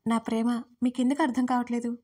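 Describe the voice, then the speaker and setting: A woman's voice: on the high side, steady tone, fast, mellow, close to an everyday voice. A woman voicing a tearful, desperate young woman in love, pleading in a crying voice in an audio story.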